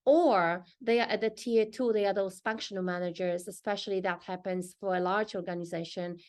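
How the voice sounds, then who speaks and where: A middle-aged woman from Poland with a Polish accent, presenting a business training session in an earnest, explanatory way. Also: mid-range voice. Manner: earnest, explanatory, pauses often in short phrases.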